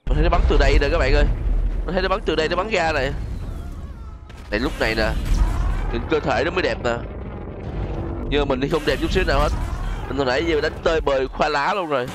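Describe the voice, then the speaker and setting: A man hosts a gaming video, delivering casual, chatty gameplay commentary, exclaiming often and addressing viewers as friends. His voice is on the high side and fast with frequent pauses, heard over loud game music and effects.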